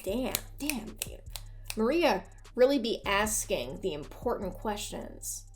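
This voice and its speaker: A woman with a medium-pitched voice delivers casual video commentary as a host. She is irreverent and joking, swears freely, and talks to her audience in a loose, conversational way. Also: big pitch swings, slow.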